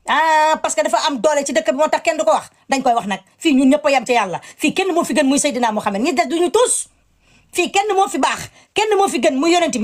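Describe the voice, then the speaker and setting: A woman giving impassioned commentary, indignant and emphatic, repeating her words. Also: high voice.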